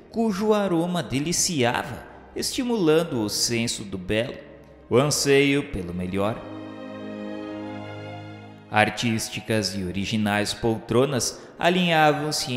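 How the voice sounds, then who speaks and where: A man reading a radio novela narration in a solemn, florid, measured literary style. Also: mid-range voice. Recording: echoey long reverb over music. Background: music.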